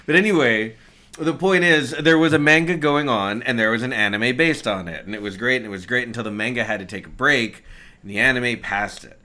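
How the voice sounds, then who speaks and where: A man co-hosting a gaming podcast, talking in an animated, casual way and swearing freely. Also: mid-range voice, a little fast. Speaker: podcast co-host. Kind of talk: casual chat.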